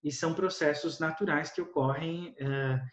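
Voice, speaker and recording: A man gives a university lecture in a fairly high voice, explaining step by step and checking in with his listeners with tag questions. The recording is echoey and a little muffled. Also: fairly even intonation, normal speed, a bit bright. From Brazil.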